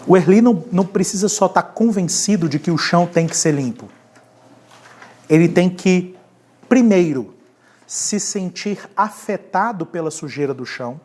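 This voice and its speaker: Lively pastor from lecturing. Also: male voice, sits high, normal speed. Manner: lively, repeats key words, asks the class questions. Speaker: pastor teaching a leadership class. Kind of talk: classroom lecture.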